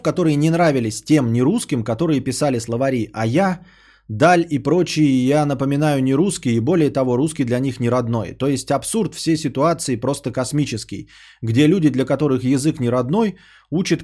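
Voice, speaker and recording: A man's voice: medium pitch, a little mellow. A man, a podcaster and streamer, ranting in a sarcastic, indignant tone and swearing freely as he answers a viewer.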